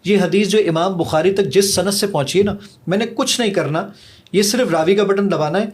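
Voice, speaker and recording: A middle-aged man, an app developer, eagerly walking a host through a live demo in a podcast interview. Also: sits high. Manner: eager, rapid-fire demonstrating, counts seconds aloud.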